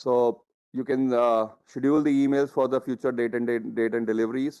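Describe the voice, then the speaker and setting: A man with an Indian accent speaks at a moderate pace in a dark, mellow tone. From India, Rajasthan. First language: Hindi. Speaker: tech presenter. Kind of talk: workshop demo.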